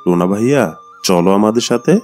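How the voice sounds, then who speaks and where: A man's voice: on the low side, animated, moderate pace, a little mellow, faint music behind, lightly acted. A man voicing a friendly, loyal bird in a children's cartoon, earnest and reassuring.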